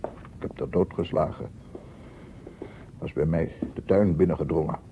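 A narrow, noisy old radio play recording carries a paranoid man obsessed with sound. His voice is low and gravelly. He mutters bitterly to himself, repeats his words and swells into theatrical proclamations. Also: a little slow. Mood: paranoid, agitated. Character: paranoid, obsessive male amateur sound researcher, unhinged and embittered. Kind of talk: radio drama monologue.

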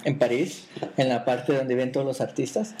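A man's voice: medium pitch, moderate pace, a little mellow, slight background noise, poor audio. A man hosting a casual podcast, teasing his co-host with playful jokes and frequent restarts. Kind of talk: casual joking chat.

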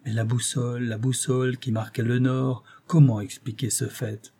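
A man's voice: medium pitch, moderate pace, warm tone, close to an everyday voice. A man reading a proud, irritable old professor. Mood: impatient. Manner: brusque, impatient questioning.

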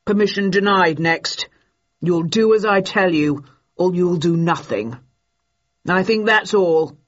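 A woman's voice: lowish voice, slow. A woman reading an audiobook, voicing a curt, dismissive official who gives orders. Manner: curt, commanding. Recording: dull lo-fi recording.

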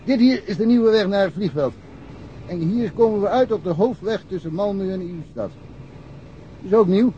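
An actor playing a talkative, folksy middle-aged provincial police inspector in a naturalistic radio drama. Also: male voice, high voice, expressive, moderate pace, warm tone. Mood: chatty, easygoing. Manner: talkative, colloquial, self-deprecating. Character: chatty, folksy provincial Swedish police inspector, long-serving local. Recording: muffled, noisy radio drama recording.

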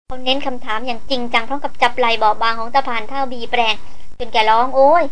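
Female audiobook narrator, high voice, faint noise. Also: fast talker, low-quality recording. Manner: steady storytelling. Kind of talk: novel reading.

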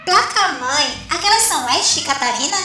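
A woman playing an excitable, loyal little-sister soldier in an audio drama, emotional and animated. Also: sits high, normal speed, recorded from a distance. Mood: alarmed. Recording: echoey, off mic, faint noise.

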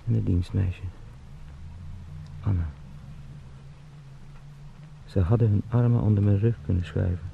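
An actor in a radio drama playing an anxious young travelling salesman trapped as a beetle, brooding in halting phrases. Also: fairly low pitch, creaky, exaggerated voice. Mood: bewildered, brooding. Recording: muffled, with background noise.

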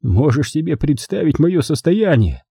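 A man's voice: lowish voice, wildly swooping pitch, normal speed, dark tone, husky, no echo, clean studio sound, heavily acted. A man voicing a theatrical, despairing middle-aged uncle who wails and exclaims in an audiobook. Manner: melodramatic, wailing and exclaiming. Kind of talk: audiobook character reading.

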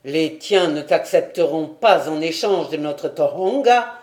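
A woman's voice: sits low, animated, measured pace. Woman voicing a stern menacing tribal chief. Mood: cold menacing. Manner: cold, forceful, accusing. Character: stern proud male Maori chief, menacing.

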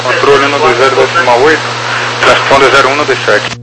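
A man's voice: medium pitch, flat delivery, fairly quick. A man with a Brazilian accent working as an air traffic controller, giving clipped procedural instructions over aviation radio, reading digits one by one.

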